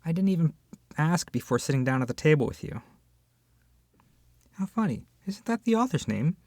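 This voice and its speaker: A performer in a scripted audio roleplay, speaking to the listener as a flustered, opinionated book club member, expressive and hesitant with sighs and whispered asides. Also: mid-range voice, moderate pace, no echo, studio quality. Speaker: ASMR roleplay voice actor. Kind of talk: scripted audio roleplay, acted as one side of a conversation addressed to the listener.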